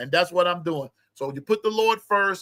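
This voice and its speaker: A man's raised, projected voice with a bright, sharp tone and ordinary pitch variation, dry and close with no echo. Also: very clean recording, silent background. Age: 60s. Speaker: sports livestream host. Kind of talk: casual livestream chat.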